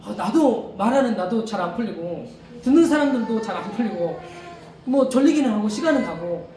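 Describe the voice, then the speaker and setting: His voice sits high and mellow, brisk and lively in intonation, as he preaches a loose, conversational sermon as a missionary during a church service. Rhetorical questions come up again and again, and he chuckles and starts sentences over. Sound is echoey, far-miked, and faintly noisy.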